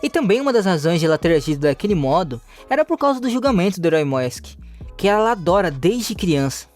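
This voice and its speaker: A man narrating a manga story recap in a lively storytelling manner. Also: fast. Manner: lively storytelling with rising and falling pitch. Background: faint background music.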